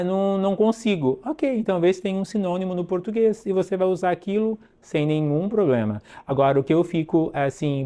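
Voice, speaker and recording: A man from Brazil talks through an English lesson in a loose, rambling manner. His voice sits a little high but sounds mellow and relaxed. He fills his talk with asides and fillers. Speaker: English teacher. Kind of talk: casual online lesson.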